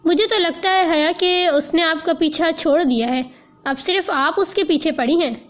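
A composed male army major speaks in a measured, reassuring manner, as a woman reads him. The voice sits high. The recording sounds muffled and lo-fi, as in an audiobook reading. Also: soft background music. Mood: calm. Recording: dull lo-fi audio.

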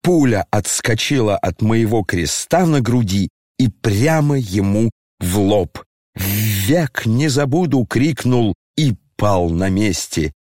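A man reading an audiobook and voicing an aging, disgraced retired general who talks slowly, tearfully and pompously. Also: on the low side, expressive, a little mellow, no room sound, studio quality. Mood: maudlin. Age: over 60. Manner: slow, tearful, declamatory, pompous.

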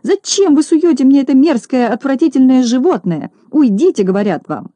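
Storybook: woman reader doing a hysterical shrill rich lady, high-pitched and shrieking. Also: animated, unhurried, mellow, dry recording. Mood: shrieking disgust. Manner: shrieking, squeamish, scolding. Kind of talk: audiobook character voice.

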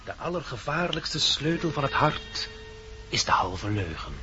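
An actor playing a solemn, foreboding poetic storyteller, declaiming as narrator of a radio play. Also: male voice, medium pitch, very animated, unhurried, loud music behind the voice. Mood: ominous. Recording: dull old radio recording.

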